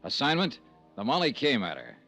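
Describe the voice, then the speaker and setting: A man's voice: medium pitch, huge pitch swings, brisk, music in the background. A hardboiled American private investigator in a golden age radio drama. He speaks in a mid-range voice with clipped, assured delivery, sounding dogged and sure of his case. It has the sound of a vintage radio recording. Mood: brisk, wry.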